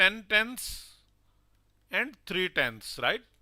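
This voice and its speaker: A man's bright, sharp-toned voice, raised and projected, at a very slow pace. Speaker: math teacher. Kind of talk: live online math lesson. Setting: livestream. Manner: slow, explanatory.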